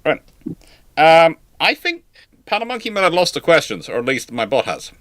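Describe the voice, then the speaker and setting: A man's voice: a little high, big pitch swings, normal speed, fairly bright tone, dry recording. A man hosting a live question-and-answer session, speaking unscripted in a rambling, self-correcting way as he thinks aloud.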